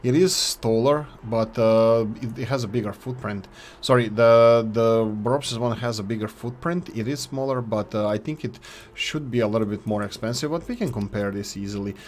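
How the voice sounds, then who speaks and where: A man's voice: lowish voice, moderate pace, slight background noise. Chatty man reviewing game mods. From Yugoslavia. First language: Serbo-Croatian. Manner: chatty and enthusiastic, often restarts words. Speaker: gaming YouTuber reviewing mods. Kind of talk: casual gameplay commentary.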